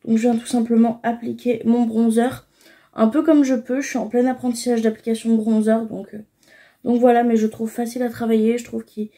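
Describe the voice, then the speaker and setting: A woman's voice: a little high, flat delivery, a little fast, warm tone. A young woman casually talking through her makeup routine, explaining each step with frequent fillers. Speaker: beauty vlogger.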